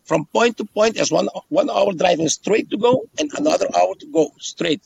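Gravelly Aruban-accented man, slightly high voice. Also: expressive, moderate pace, a little mellow, dry recording, lo-fi sound. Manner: repeats phrases and checks in with "yes?". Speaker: tour guide being interviewed. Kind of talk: casual conversational explaining.

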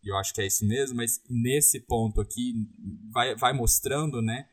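A man's voice: medium pitch, normal speed, breathy edge. A man who talks thoughtfully in discussion, often restarting his phrases. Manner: thoughtful, restarts often, agrees and builds on points. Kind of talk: conversational discussion.

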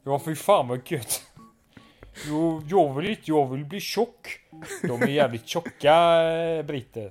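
A man's voice: on the high side, faint music behind, natural voice. A man putting on a boorish, swearing British patriot. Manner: crude, swearing, boastful.

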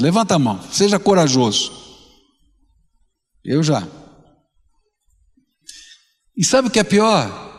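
An older Brazilian man preaching a fervent sermon to his congregation, often asking them direct questions. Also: sits high. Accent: Brazilian Portuguese. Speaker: pastor. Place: large church sanctuary. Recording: long reverb of a large church hall.

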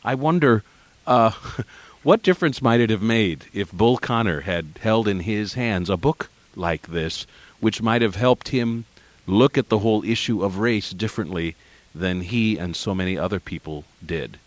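A man hosting a radio interview, asking measured, reflective questions. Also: fairly low pitch, lively intonation, dry recording.

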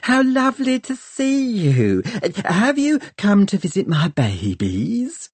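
Guy putting on a giggly simpering lady doctor, way up high, swoopy and sugary. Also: wildly swooping pitch, slow, slightly rough, no echo, heavily acted. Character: simpering fawning woman scientist, giggly, ruthless.

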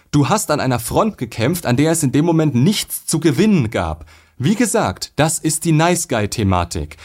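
A man reading out a viewer's letter and answering it with blunt, lecturing dating advice. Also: mid-range voice.

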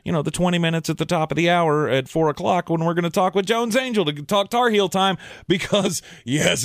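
A man in his thirties co-hosting sports talk radio, agreeable and quick to chime in. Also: medium pitch, no room sound, studio quality. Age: 30s. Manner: agreeable, backchanneling.

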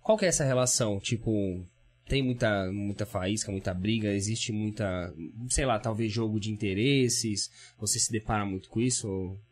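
A man's voice: lowish voice, normal speed. A man with a Brazilian Portuguese accent hosting a livestream interview, asking questions casually and searching for his words. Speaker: host.

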